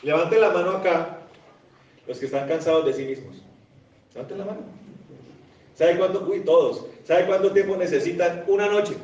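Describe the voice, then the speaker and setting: A male pastor from Colombia preaching a lively sermon, asking questions of the congregation and reading scripture aloud. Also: high voice, normal speed, long pauses, lo-fi sound, slight background noise. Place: church hall. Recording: echoey church hall, mic from a distance.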